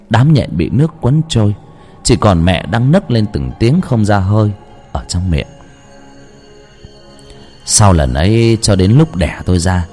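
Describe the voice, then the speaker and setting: Low-voiced guy narrating a scary story, super expressive, goes hushed then loud, quiet music underneath. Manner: expressive, swings from low hushed tones to sudden loud cries. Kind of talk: dramatic horror storytelling.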